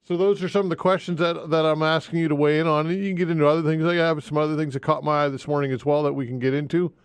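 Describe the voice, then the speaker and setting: Higher-pitched radio host. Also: male voice, steady tone, very fast, clean tone, dry recording. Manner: emphatic, repeats phone number. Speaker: radio talk show host. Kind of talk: talk radio hosting. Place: radio studio. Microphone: studio microphone.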